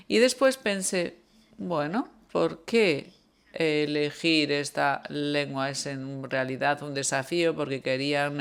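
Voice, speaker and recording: Halting, gravelly panel interpreter. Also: mid-range voice, fairly bright tone. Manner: halting, frequent fillers and self-corrections. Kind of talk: live interpretation of a panel talk.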